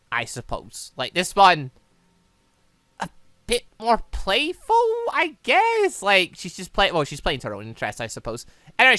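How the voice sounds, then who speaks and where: A man gives casual commentary for a gaming series in a bright voice recorded very dry. His pitch moves around a lot. He rambles and hesitates, working out his thoughts as he speaks. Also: dry recording. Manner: rambling, hesitant, thinking aloud. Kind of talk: casual let's-play commentary.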